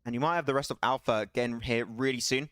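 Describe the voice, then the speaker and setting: A man casting an esports match alone, excitable and chatty, laughing and bantering with his stream chat between calls. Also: mid-range voice, fast talker, clear, resonant tone, no room sound, clean studio sound. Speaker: esports caster. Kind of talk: solo esports play-by-play commentary.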